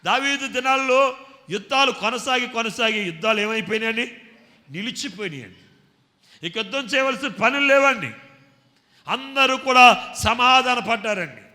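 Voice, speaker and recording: A man preaching a sermon, constantly quizzing his congregation and urging them to answer loudly. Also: very high voice, normal speed, pauses often. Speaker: pastor. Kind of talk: Telugu sermon with call-and-response questions. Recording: long reverb from a hall.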